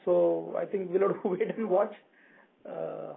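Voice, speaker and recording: Man, Indian accent, high pitch, creaky, executive, cautious halting answers, narrow telephone sound. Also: steady tone. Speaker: company executive answering analysts. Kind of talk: conference call answers. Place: telephone conference call. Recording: thin narrow phone line.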